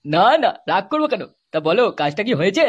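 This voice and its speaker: A man voicing a crude, jealous, eager lover and schemer in a comedy cartoon, with a husky processed voice. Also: sits high, sing-song, fast talker, lo-fi sound, exaggerated voice.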